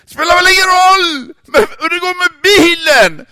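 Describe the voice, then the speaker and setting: A man voicing a distraught father who sobs and shouts with relief. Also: extremely high pitch, dry recording, pitched above the performer's own voice, exaggerated voice. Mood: tearful relief. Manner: crying, shouting, overwrought.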